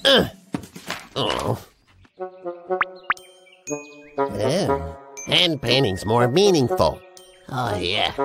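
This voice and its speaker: An actor playing an excitable, scheming but soft-hearted logger in a cartoon, exclaiming and muttering to himself. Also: male voice, mid-range voice, vocal fry, exaggerated voice. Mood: fretful, scheming. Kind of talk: animated cartoon dub acting.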